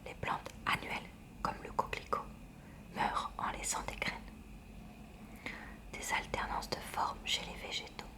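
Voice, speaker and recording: A school science textbook is read aloud by a woman doing ASMR. She speaks in a careful, hushed whisper, breathy and unvoiced, as if in a library, and keeps her reading measured.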